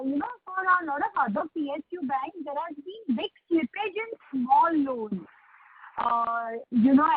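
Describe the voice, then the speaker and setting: A woman's voice: high voice, a little hiss or hum. A woman analyst asking questions on an earnings call over the phone, polite and addressing the executive as sir. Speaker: analyst caller. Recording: tinny phone line.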